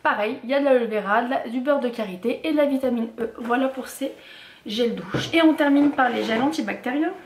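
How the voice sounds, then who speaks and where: Woman vlogger, casual and rambling, slightly high voice, roomy echo. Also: brisk, a little hiss or hum. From France. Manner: chatty, many fillers and restarts. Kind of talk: casual haul vlog.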